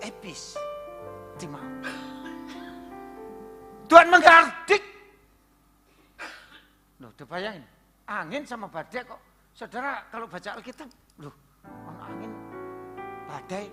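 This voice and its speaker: High bright-voiced pastor preaching. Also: male voice, sing-song, a little slow, long pauses. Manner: conversational preaching, asks the congregation questions; mixes in Javanese words. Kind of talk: sermon. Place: church hall. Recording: reverberant church hall with music.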